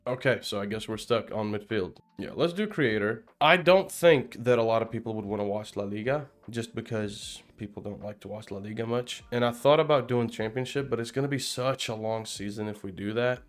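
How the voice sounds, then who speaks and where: Chatty young man with a low voice. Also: brisk, hardly any pauses. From Palestine, raised in Denmark. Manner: rambling, chatty, frequent fillers and restarts. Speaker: gaming YouTuber. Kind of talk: casual gameplay commentary.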